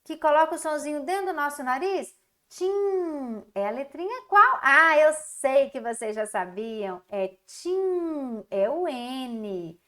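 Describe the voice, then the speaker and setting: A Brazilian woman with a high voice gives a recorded lesson to young children. She speaks slowly, sounding out syllables in a sing-song way and praising the class. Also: animated, a bit bright. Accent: Brazilian Portuguese. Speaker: primary school teacher.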